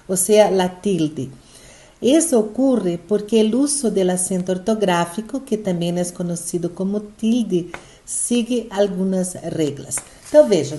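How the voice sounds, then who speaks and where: Patient Brazilian woman teaching, mellow voice. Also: mid-range voice. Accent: Brazilian Portuguese. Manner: patient, explaining step by step with frequent "tá?" checks. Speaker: Spanish teacher. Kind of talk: recorded online lesson.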